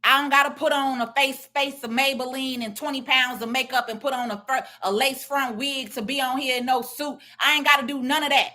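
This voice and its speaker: Loud middle-aged woman, blunt commentary, bright forceful tone, sits a little high. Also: steady tone, fairly quick, few pauses. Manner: confident, emphatic, plain-spoken. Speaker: tax and business strategist. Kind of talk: blunt social media commentary.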